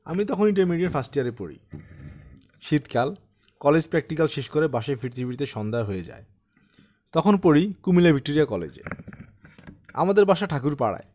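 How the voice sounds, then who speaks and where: A man acts out a courteous old widower from a short story audiobook. He is bookish, talkative and gently insistent, telling things conversationally with a lively, varied pitch. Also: quick pace, long pauses. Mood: reflective.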